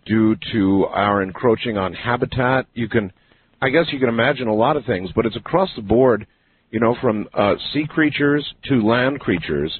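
A man hosting a late-night call-in radio show, speaking with a smooth radio host delivery. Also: medium pitch, normal speed. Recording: phone-like lo-fi broadcast with faint hiss.

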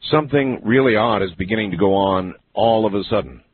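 A man hosting a late-night call-in radio show, speaking with a smooth radio host delivery. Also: fairly low pitch, fairly quick. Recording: phone-like lo-fi broadcast with faint hiss.

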